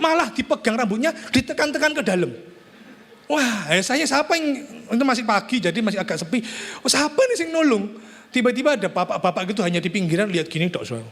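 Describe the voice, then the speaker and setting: A middle-aged pastor delivers his sermon in a high, bright voice. He leans into personal stories and keeps turning to address the congregation directly. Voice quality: lively storytelling, addresses congregation as brother.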